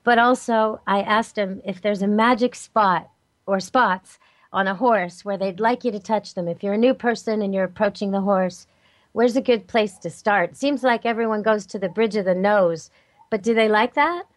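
A woman's voice: medium pitch, normal speed, no room sound. A woman hosting a radio pet show, asking eager questions and stepping in to clarify points. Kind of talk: casual radio interview.

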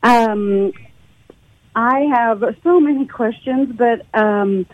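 Hesitant woman caller on a tinny phone line, slow-spoken. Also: a little high. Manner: hesitant, searching for words. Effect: heard over a phone line. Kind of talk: call-in radio chat.

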